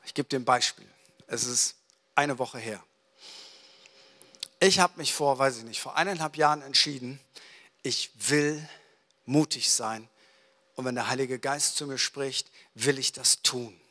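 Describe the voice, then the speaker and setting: Bright-voiced man preaching in a hall. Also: medium pitch, a little slow, long pauses. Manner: lively storytelling, acts out dialogue. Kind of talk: sermon. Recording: reverberant hall.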